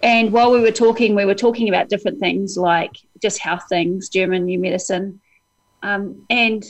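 A woman with a New Zealand accent talks as an interview guest. Her voice sits at an ordinary pitch for a woman. She speaks earnestly, pausing often with ums as she recalls events. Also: poor audio. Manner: earnest, hesitant, many ums. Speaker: hypnotist guest. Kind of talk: casual interview storytelling.

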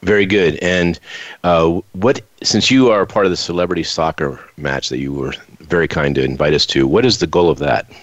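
A man's voice: low-pitched, fairly quick, dry recording, highs cut off. A man hosting an interview, asking long, chatty questions that ramble. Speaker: interviewer host.

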